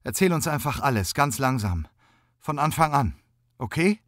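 A young policewoman in an audiobook, brisk and matter-of-fact, lifted higher than the reader's own voice, as a male narrator puts her on. The recording is close and dry. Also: animated, no room sound, lightly acted. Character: young female police officer, brisk and sober.

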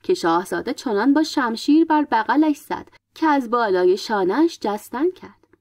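Sex: woman. Role: storyteller. Style: dramatic folk tale narration. Tone: mellow, somewhat high. Sound: dry, close. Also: lively intonation, dry recording.

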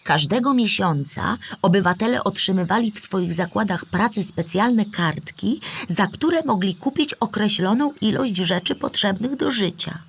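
A woman playing a knowledgeable storyteller character, narrating history in a measured, explanatory way with a husky voice. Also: mid-range voice, lively intonation. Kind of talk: scripted educational narration.

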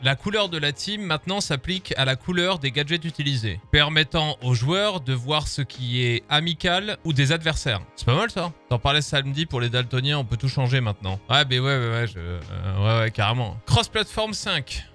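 A man's voice: mid-range voice, lively intonation, moderate pace, hardly any pauses, bright, forceful tone, faint music behind. A man with a French accent, casually commenting on a game update while joking and swearing as he reads patch notes aloud. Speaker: gaming streamer. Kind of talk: casual live-stream commentary.

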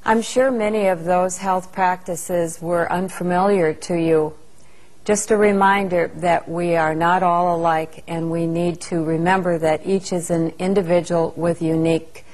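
A woman with a somewhat low voice narrates a training lesson. Her delivery is calm and measured, like a scripted instructional video.

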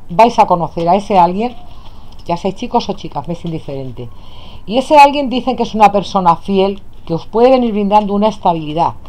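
A woman's voice: mid-range voice, a little mellow. A woman with a Spain Spanish accent leads a tarot reading for her audience. She speaks fondly to her viewers, calling them her loves as she turns over cards. She is recorded indoors at a table. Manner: affectionate, addresses viewers as "my loves". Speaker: tarot reader. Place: indoors at a table, hands only on camera.

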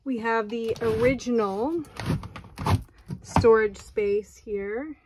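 A woman giving an unhurried walkthrough tour of her camper, plainly pointing out features one by one, recorded on a handheld phone inside the trailer. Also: on the high side, noisy background. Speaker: owner giving a home tour.

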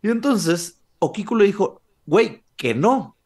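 A man's voice: high-pitched, unhurried, slight background noise. A man, a podcast co-host casually telling a horror legend and acting out the quoted lines. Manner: animated, acts out quoted lines.

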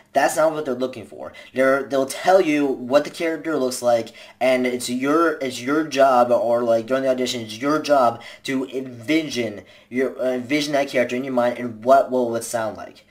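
A man's voice: mid-range voice, darkish tone. A young man in his twenties giving casual advice to a webcam from his bedroom. He rambles, restarts his sentences and says "like" a lot while gesturing with both hands. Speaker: vlogger giving voice acting tips. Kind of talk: casual advice talk to camera. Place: small bedroom indoors, seated in a gaming chair. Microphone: webcam at desk distance.

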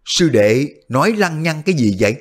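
Người đàn ông đóng gã béo xảo quyệt, ngọt nhạt. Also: male voice, lowish voice, big pitch swings, normal speed. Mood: scolding. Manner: smooth, placating. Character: fat, outwardly gentle, cunning male elder disciple.

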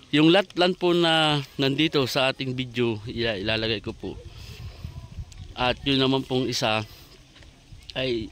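A man talks politely and casually as he walks visitors through riverside farmland. He points out features along the way. His pitch sits mid-range, and faint outdoor noise runs under his voice. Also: fairly bright tone. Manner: polite, chatty, points things out. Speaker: vlogger showing land for sale. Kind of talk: casual walking tour narration.

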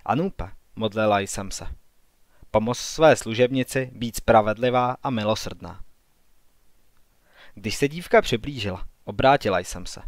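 Dry, measured male audiobook narrator. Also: medium pitch, dry recording.

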